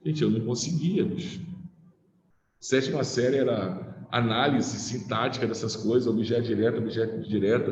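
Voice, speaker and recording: A man's voice: mid-range voice, darkish tone. Brazilian male physics teacher, slangy and informal, dull lo-fi sound in a roomy, reverberant classroom. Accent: Brazilian Portuguese. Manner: chatty and informal, with slang and swearing. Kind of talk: casual classroom lecture. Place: classroom, also streamed to students at home.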